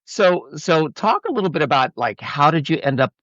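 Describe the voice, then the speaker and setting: A man hosting a podcast interview in a casual, conversational way, informal and halting as he repeats words while thinking. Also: fairly high pitch, animated, a bit bright, no echo. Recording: slightly dull, lo-fi audio.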